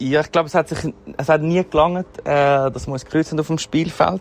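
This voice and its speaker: Over noticeable background noise, a man talks with a Zurich accent and ordinary pitch variation. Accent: Zurich Swiss German dialect. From Zurich, Switzerland. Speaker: professional footballer. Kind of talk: casual interview. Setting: Skype call.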